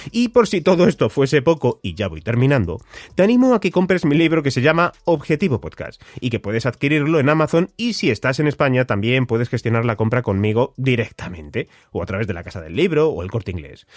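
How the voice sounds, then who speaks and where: A man hosts a podcast, reading from a script with a pitch that rises and falls a lot. His voice sits at a middling height. The sound is dry and close, with no room around it. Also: dry recording. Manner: reads questions and promotions in a lively, measured voice. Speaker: podcast host.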